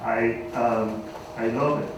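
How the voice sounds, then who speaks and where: A man's voice: medium pitch, fairly even intonation, slow pace. A man from Venezuela with a Venezuelan Spanish accent, giving an academic conference talk in a hesitant, self-deprecating way with many fillers and restarts. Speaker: conference speaker. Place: university conference hall. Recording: echoey hall, far from the mic, faint hiss.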